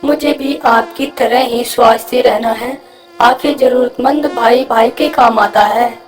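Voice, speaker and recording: A woman's voice: a little high, steady tone, a little slow, echoey room, distant mic, faint music behind, natural voice, low-quality recording. A woman voicing a cheeky, brash male mosquito in a children's cartoon, with a cocky, drawling delivery. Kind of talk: cartoon voice acting.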